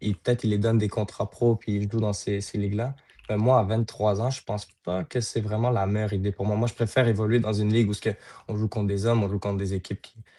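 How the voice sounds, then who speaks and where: Speaking at a very fast pace, a man has a fairly low pitch, a dark, mellow tone and monotone, flat intonation, recorded with a dry, close sound and no echo. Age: 20s. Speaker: professional soccer player. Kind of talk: interview.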